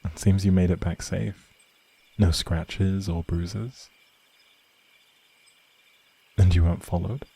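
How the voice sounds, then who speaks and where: Here the outlawed prince, a protective and gentle leader, sounds warm and relieved. The man's husky, breathy voice sits low with fairly even intonation, exaggerated for this earnest dramatic roleplay, and his phrasing is measured and old-fashioned.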